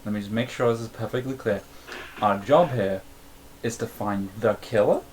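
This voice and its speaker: A man streaming a game, chatting casually, joking and asking quick, curious questions. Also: fairly low pitch, slight background noise. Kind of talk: casual live gameplay chat.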